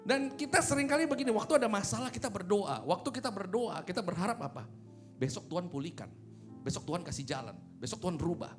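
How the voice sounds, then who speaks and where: A man's voice: high voice, animated, fast, faint music behind. A man preaching a conversational, joking sermon, often checking with listeners through rhetorical questions. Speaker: pastor, preacher.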